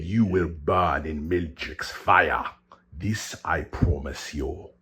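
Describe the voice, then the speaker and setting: A man puts on a character voice, raspy and very deep in pitch. He speaks at a very slow pace in a menacing tone. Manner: menacing, threatening.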